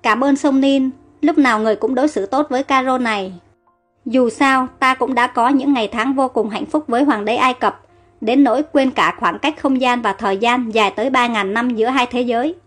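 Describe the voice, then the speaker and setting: A woman's voice: on the high side, a little fast, faint music behind, lightly acted. A woman voicing a heartbroken young queen of ancient Egypt, tearful and despairing.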